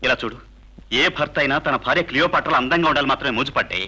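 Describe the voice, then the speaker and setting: A man's voice: mid-range voice, rapid-fire, sharp tone, husky. An actor playing a jealous drunken young husband who taunts and threatens his wife in a dubbed film. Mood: scornful.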